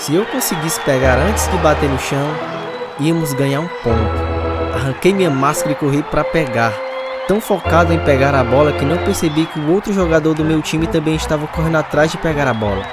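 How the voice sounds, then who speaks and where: A man's voice: a little high, fairly quick, close to an everyday voice. Man playing a once-mischievous storyteller, music behind. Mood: excited. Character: man recalling his mischievous, sporty schoolboy youth. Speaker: narrator and lead actor. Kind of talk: dramatized first-person radio narration.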